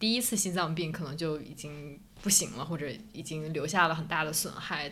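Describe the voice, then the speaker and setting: Audible room echo surrounds a woman speaking fairly quickly, her fairly low voice keeping a fairly even intonation. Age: 20s. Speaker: media professional. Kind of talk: casual chat.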